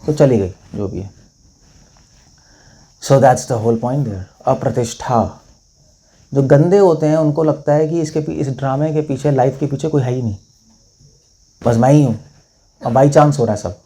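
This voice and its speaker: A man's voice: mid-range voice, a little slow, long pauses, dark tone. A middle-aged monk giving a storytelling sermon in Hindi, mixing in English words and acting out the people in his stories. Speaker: monk and spiritual teacher.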